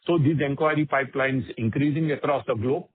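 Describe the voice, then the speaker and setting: Halting executive on a phone line. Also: male voice, mid-range voice, breathy edge, dry recording. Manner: halting, many fillers. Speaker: company executive answering analysts. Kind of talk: earnings call answer.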